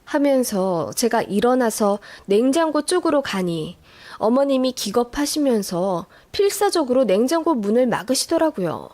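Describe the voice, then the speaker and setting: A woman narrating a dramatized personal story in an expressive, emotional way. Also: fairly high pitch, normal speed.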